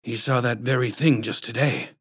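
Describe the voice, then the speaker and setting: A man's voice: medium pitch, steady tone, normal speed, a bit bright, husky, no echo, clean studio sound. A man voicing a nervous, polite father in a storybook who tries to placate everyone. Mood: placating. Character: Italian husband and father, nervous, placating chef.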